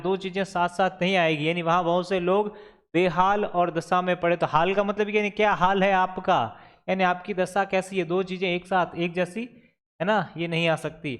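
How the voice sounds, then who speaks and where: High, clear-voiced male teacher. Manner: explains step by step, asks and answers own questions. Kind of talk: exam solution lecture.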